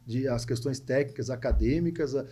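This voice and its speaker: A man's voice: mid-range voice, moderate pace, dark tone, husky. A man in his forties with a São Paulo coast Brazilian accent, telling personal stories conversationally, repeating words for emphasis and often tagging phrases for agreement. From Santos, coastal São Paulo, Brazil. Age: 40s. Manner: emphatic repetitions and frequent tag questions seeking agreement. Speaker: podcast guest, entrepreneur and speaker.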